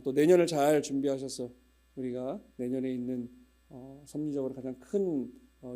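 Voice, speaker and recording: A man's voice: mid-range voice, dark tone. A man in his fifties, a pastor, chatting humorously with his congregation and telling stories before his sermon. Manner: chatty, humorous storytelling with regional dialect imitations. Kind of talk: casual church announcements before a sermon.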